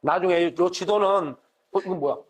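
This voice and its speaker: A man's voice: high voice, normal speed. A middle-aged man from the Gyeongsang region, with a Gyeongsang accent, giving a classroom lecture and questioning his audience conversationally. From Gyeongsang region of Korea. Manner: conversational, asks the audience questions and answers them. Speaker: university professor lecturing.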